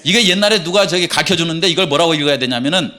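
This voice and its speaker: A man's voice: a little high, racing. A middle-aged male pastor giving a conversational sermon in a church, asking the congregation questions as he talks. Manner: conversational, animated preaching with rhetorical questions to the congregation. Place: church sanctuary.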